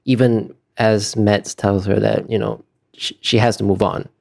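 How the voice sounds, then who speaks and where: A man's voice: lowish voice, flat delivery, a little slow, gravelly, a little mellow. A man being interviewed as an artist, talking casually and thoughtfully, often hesitating as he searches for words. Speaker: interview guest, concept artist.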